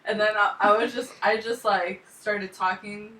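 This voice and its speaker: A woman's voice: medium pitch, steady tone, normal speed, sharp tone, echoey room, distant mic, a little hiss or hum, rough recording. A woman on a podcast telling a childhood story in casual chat, giggling as she goes. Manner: giggly, laughs through her story. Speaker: podcast co-host.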